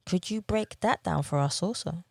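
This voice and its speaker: A woman's voice: on the low side, moderate pace, vocal fry, no room sound, clean studio sound. A woman hosting a podcast, asking long, rambling questions in an encouraging, casual interview style. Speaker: podcast host.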